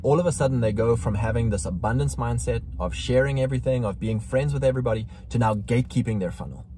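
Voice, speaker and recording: A man's voice: mid-range voice, fast talker, warm tone, a little hiss or hum. A man co-hosting a Christian family channel, talking in a casual conversation in an emphatic, preachy way that gets heated.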